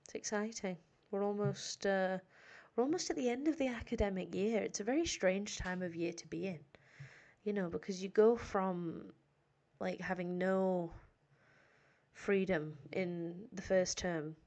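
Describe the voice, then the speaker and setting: A woman from the north of England with a nasal voice and a northern English accent, sounding tired and a little hoarse, chatting casually and rambling with lots of fillers on a live stream for her English learners. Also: mid-range voice, measured pace, a little mellow. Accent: northern English, Sheffield. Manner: rambling, self-deprecating, frequent fillers. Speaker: English teacher.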